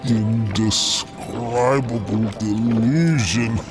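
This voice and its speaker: Guy doing a weird cosmic creature, super slow, theatrical and mocking, music behind, podcast drama. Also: mid-range voice, steady tone. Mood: amused pity. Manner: slow, theatrical, amused, grandiloquent. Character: awestruck cosmic creature, gleefully mocking, male. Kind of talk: narrated fiction podcast character acting.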